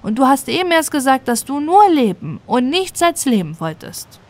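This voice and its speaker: A woman's voice: high-pitched, very animated, moderate pace, voice pushed up. A woman voicing a small friendly house goblin, kindly and admonishing, in a fairy-tale audiobook. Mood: gentle warning.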